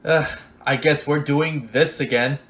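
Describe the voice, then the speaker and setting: A man's voice: a little high, steady tone, a little slow, fairly bright tone. A man playing a wry, weary debate moderator in a staged political satire, presenting like an announcer.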